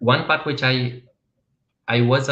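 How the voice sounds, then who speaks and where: Somewhat breathy and monotone, a man of medium pitch with a strong non-native accent speaks at a moderate pace. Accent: thick foreign. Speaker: religion and philosophy channel host. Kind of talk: interview conversation. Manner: halting.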